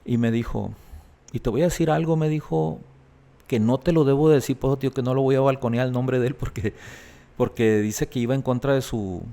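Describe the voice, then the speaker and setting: A man's voice: medium pitch, brisk, creaky, dark tone. A man earnestly recounting a personal testimony in an interview, acting out the voices of the people he quotes. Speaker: guest telling his life story.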